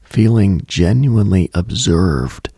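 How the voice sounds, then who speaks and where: On his late-night mystical radio show, a low-pitched man leans close to the mic and muses over eerie, reflective stories, hushed and halting. The voice is gravelly, husky and breathy, yet the intonation stays lively, and the recording is dry.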